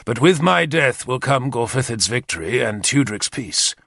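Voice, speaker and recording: A man's voice: medium pitch, moderate pace, gravelly, no echo, studio quality, full character voice. A man voicing a bold, commanding warlord. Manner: energetic, decisive, commanding.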